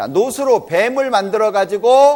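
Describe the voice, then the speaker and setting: A man talks at a moderate pace. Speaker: Bible lecturer. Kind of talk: Bible lecture.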